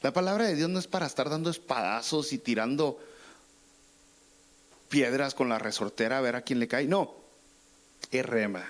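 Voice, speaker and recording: A pastor preaching a sermon, casual and conversational, with colloquial asides. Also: male voice, medium pitch. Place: church.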